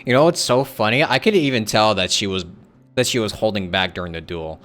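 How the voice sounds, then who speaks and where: A man's voice: fairly low pitch, fairly quick, fairly bright tone, faint music behind. A man casually commenting while playing a story game on a live stream, chatty and joking. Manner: laid-back, joking, chatty.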